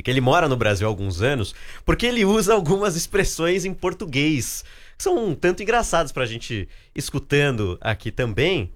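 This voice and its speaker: A man reporting on air and introducing recorded interviews, with a lively manner. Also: a little high. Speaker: radio reporter. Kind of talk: news report with commentary.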